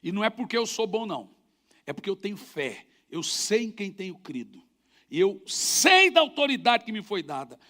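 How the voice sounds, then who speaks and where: A man's voice: sits high, moderate pace. A middle-aged man with a Brazilian Portuguese accent, a pastor preaching a sermon and telling stories with sound effects. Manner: animated storytelling with sound effects.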